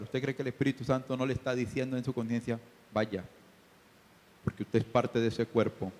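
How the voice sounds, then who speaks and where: A male pastor preaching a sermon, asking the congregation rhetorical questions, swinging from hushed asides to shouted peaks. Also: medium pitch. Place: church sanctuary. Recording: reverberant church hall.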